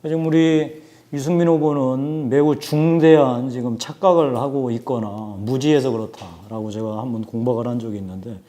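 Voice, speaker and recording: A man in his forties giving a book talk, explaining numbers in a measured way with frequent hesitations. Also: medium pitch, fairly even intonation, mellow. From South Korea. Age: 40s. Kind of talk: lecture-style talk with statistics.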